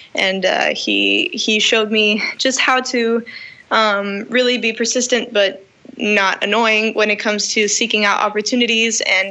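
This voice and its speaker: Against noticeable background noise, a woman's fairly high voice rises and falls in an ordinary way. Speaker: singer-songwriter. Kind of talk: interview. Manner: hesitant, filler words.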